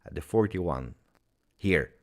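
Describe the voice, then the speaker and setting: A man with a very deep voice talks about football in a casual recap. His pitch swings widely as he chats. French is his first language, and he talks passionately with plenty of fillers. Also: slow. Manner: animated, passionate, frequent fillers. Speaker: football video host.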